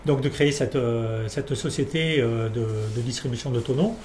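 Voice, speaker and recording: A man's voice: mid-range voice, normal speed, darkish tone, a little hiss or hum. A man, a winemaker guest talking through his career with a lot of fillers and restarts. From Perpignan, France. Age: 40s. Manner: hesitant, many fillers and restarts. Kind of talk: casual interview. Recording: echoey room with faint ambience.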